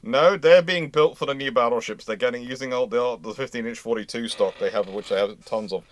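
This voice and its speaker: A man's voice: mid-range voice, brisk. A man hosting a live history discussion, speaking off the cuff, reading out questions and reworking his phrases as he goes. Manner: rambling, repeats and reworks phrases. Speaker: host of a live naval history Q&A.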